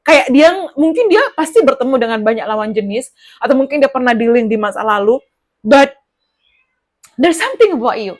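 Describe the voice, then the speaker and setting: A woman's voice: fairly high pitch, expressive, normal speed. A woman giving a casual tarot reading straight to the listener, chatty and rambling. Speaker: tarot reader.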